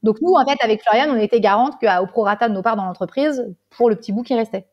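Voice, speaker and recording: Brief: lively, rapid-fire woman guest, high-ish voice, casual and swearing, podcast mic. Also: muffled recording. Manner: animated, swears casually, keeps saying "tu vois". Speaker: guest, tea salon founder. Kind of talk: casual interview storytelling.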